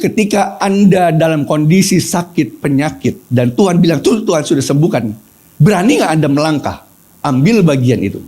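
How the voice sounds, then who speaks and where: A man's voice: fairly high pitch, darkish tone. A middle-aged man preaching a sermon, telling personal stories and acting out quoted voices as he addresses the congregation. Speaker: pastor.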